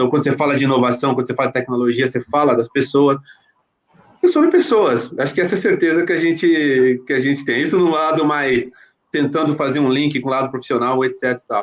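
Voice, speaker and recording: A man's fairly high voice, very fast pace and fairly even intonation. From Brazil, São Paulo area. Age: 40s. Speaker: business executive. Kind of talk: interview conversation.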